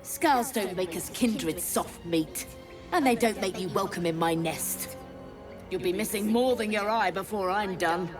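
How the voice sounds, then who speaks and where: A woman voicing a slow, menacing mother owlbear. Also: medium pitch, lightly acted. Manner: slow, growling threats. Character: menacing mother owlbear monster, huge, protective, cruel. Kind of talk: video game voice acting. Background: game music.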